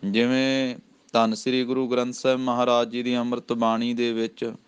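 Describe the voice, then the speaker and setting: A man with a Punjabi accent teaching scripture recitation, chanting each phrase slowly and then explaining the pronunciation in plain speech. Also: medium pitch, monotone, clean tone. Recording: slightly dull, lo-fi recording.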